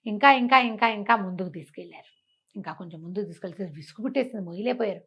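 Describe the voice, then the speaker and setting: A woman's voice: medium pitch, racing, fairly bright tone, husky, highs cut off. A woman storyteller narrating a folk tale conversationally, repeating phrases and acting out dialogue. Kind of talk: animated oral folk storytelling.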